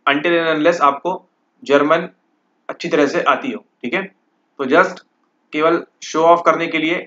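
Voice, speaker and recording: A man's voice: a little high, pushed and bright. Man, exam prep teacher, talks through questions, checks in often, slightly dull recording. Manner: repeats "ठीक है" constantly, mixes English and Hindi.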